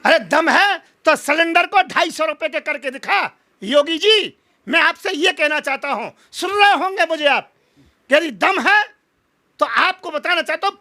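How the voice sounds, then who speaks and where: A man's voice: extremely high pitch, bright, forceful tone. A man giving an impassioned political interview, speaking in combative, emphatic oratory full of rhetorical challenges.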